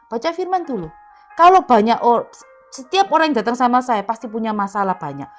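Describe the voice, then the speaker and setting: A woman's voice: fairly high pitch, expressive, brisk, soft background music. A woman preacher giving an emphatic sermon at an online prayer meeting. She repeats key words and acts out quoted dialogue. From Indonesia.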